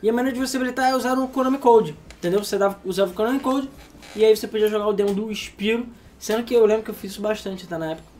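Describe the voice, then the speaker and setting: A man's voice: high-pitched, rapid-fire, darkish tone, slight background noise. A sleepy man co-hosting a casual gaming chat, rambling and swearing freely. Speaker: podcast co-host.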